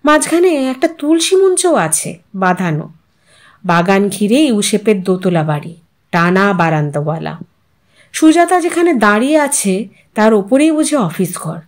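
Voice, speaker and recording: A woman's voice: medium pitch, animated, unhurried. A woman reading a literary story aloud as a narrator, in a dramatized, musing manner. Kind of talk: expressive scripted story narration.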